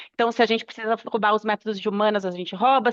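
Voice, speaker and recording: This woman has a medium-pitched voice. She speaks with a São Paulo interior accent. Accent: Campinas accent (interior São Paulo). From Brazil, Campinas (São Paulo state). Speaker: research policy program manager. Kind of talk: conference talk. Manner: many filler hesitations.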